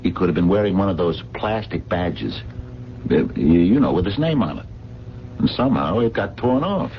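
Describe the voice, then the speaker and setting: A gruff, dogged streetwise fellow playing detective in a radio drama. His low voice moves freely up and down as he reasons things out in plain words. The recording is dull, with faint noise. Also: expressive, moderate pace. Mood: reasoning, insistent. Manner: plain-spoken, colloquial, reasoning step by step.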